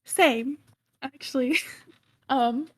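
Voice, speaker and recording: A woman chats casually as a player in a tabletop roleplaying game. Her voice is high and her pace unhurried, halting as she repeats words. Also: a bit bright. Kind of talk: casual in-character improvised chat.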